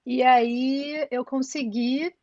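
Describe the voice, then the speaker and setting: A woman's voice: high voice, steady tone, drawn-out words, darkish tone, dry recording, lo-fi sound. A woman in her thirties from Brazil with a Niterói, Rio accent, chatting as an interview guest, full of fillers and restarts. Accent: Rio de Janeiro, Niterói. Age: 30s. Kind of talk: casual conversational interview. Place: home in Toronto over a call.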